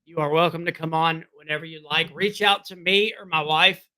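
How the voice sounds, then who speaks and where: A man talks casually to his livestream viewers in a high, bright, tense voice. He is hoarse and keeps clearing his throat. His talk rambles and repeats, recorded on a desk microphone. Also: fairly even intonation, fairly quick. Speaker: livestream host.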